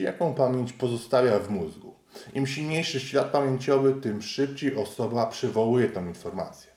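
A man giving a scripted, measured explanatory narration for an educational video. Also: medium pitch, mellow. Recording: roomy echo.

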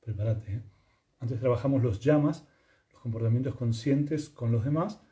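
A man with a Rioplatense Spanish accent giving a calm, unhurried yoga lesson, speaking gently with pauses. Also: mid-range voice. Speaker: yoga teacher. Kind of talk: reflective spoken lesson.

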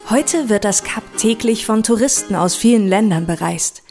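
A woman's voice: medium pitch, expressive, normal speed, darkish tone, soft background music. A woman narrating a scripted history guide in a storytelling style.

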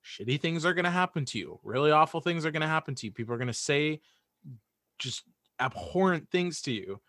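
A man's voice: a little high, lively intonation, brisk, fairly bright tone, dry recording, studio quality. A man speaking as a podcast guest, casually and earnestly giving opinions and repeating phrases for emphasis.

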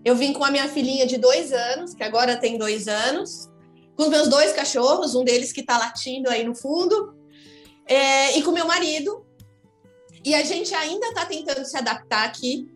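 A woman's voice: high-pitched, moderate pace, soft background music. A woman in her thirties from São Paulo with a Brazilian Portuguese accent, speaking as an interview guest in a reflective, frank, thinking-aloud way. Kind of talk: candid conversational interview. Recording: echoey room.

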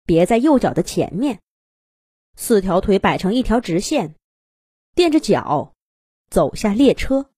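Lively woman telling children's fairy tales. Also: medium pitch, slightly rough, no echo, clean studio sound. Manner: animated storytelling for young children. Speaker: children's story narrator. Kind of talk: expressive scripted fairy-tale narration.

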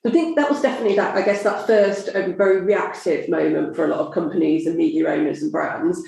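A woman with a southern English accent co-hosting a casual marketing chat, talking with frequent fillers and pauses. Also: lowish voice, creaky, darkish tone. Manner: hesitant, many fillers. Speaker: podcast co-host. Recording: echoey room.

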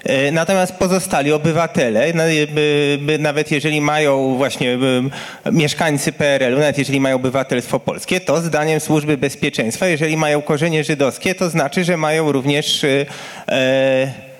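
A man's voice: fairly high pitch, steady tone, normal speed. A young adult man, a historian, explaining an answer at a public discussion, searching for words as he goes. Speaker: historian on a panel.

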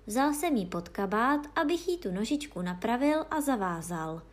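A woman voicing a calm, humble male magician who answers quietly, in a children's story reading. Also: fairly high pitch, voice pushed up. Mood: mírný. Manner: tichý, pokorný. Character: klidný kouzelník, muž, mírný.

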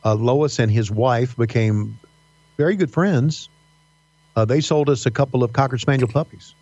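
Middle-aged male guest with a faint Southern accent, halting storyteller, dry, slightly muffled audio. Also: mid-range voice, darkish tone, no room sound. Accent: slight Southern American. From Virginia mountains. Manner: halting, many fillers and restarts. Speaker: podcast guest, wrestling announcer. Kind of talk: casual interview storytelling. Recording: dull dry podcast audio.

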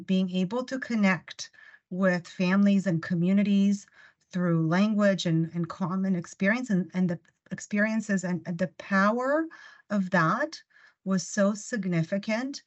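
A woman's voice: medium pitch, unhurried. A woman whose first language is Russian, speaking eagerly as a guest on a discussion panel, with many restarts. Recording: muffled, lo-fi audio.

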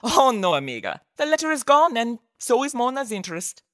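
A woman's voice: fairly high pitch, very animated, fairly quick, a bit bright. An actress playing a feisty Mexican woman in a comic 1950 noir radio play, indignant and cutting in her delivery. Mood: firm. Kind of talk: comedic old-time radio drama dialogue.

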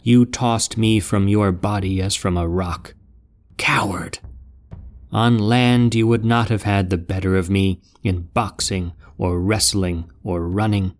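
A man's voice: lowish voice, fairly even intonation, slow. A man voicing a doomed male mouse in a storybook epic, speaking with solemn gravity. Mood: defiant. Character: doomed male mouse, fearful then defiant.

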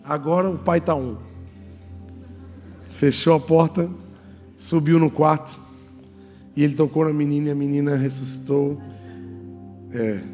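A Brazilian Portuguese-accented male pastor preaching in a humorous, animated storytelling style, acting out characters in a church hall. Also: on the high side, unhurried, pauses often. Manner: humorous, animated, acts out voices. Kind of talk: sermon told as lively storytelling. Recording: reverberant hall, faint music.

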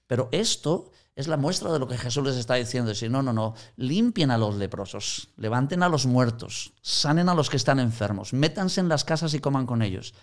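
A man's voice: medium pitch, normal speed, hardly any pauses. A man in conversational teaching on Christian mission, telling anecdotes and acting out quoted voices. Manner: animated storyteller, acts out quoted voices.

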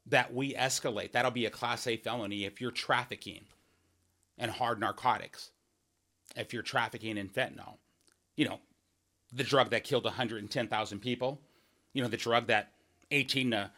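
A man's voice: mid-range voice, fairly even intonation, normal speed, long pauses, bright, forceful tone. A man running for office, talking through his policy plans in a podcast monologue. He speaks earnestly and emphatically, restarting phrases and tossing in "right?" asides. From Washington State. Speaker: political candidate hosting a podcast.

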